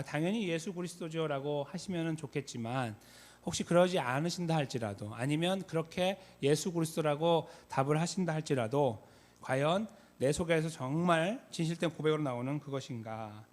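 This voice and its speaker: Korean pastor preaching in a slightly higher voice. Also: male voice, expressive, normal speed. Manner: conversational, many fillers, reenacts shouted call-and-response. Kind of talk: sermon. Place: church sanctuary.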